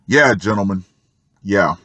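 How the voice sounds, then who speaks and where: A man giving opinion commentary as an online host, emphatic and fond of dramatic pauses. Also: low-pitched, animated, a bit bright, breathy edge, no room sound. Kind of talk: opinion commentary on a Reddit post.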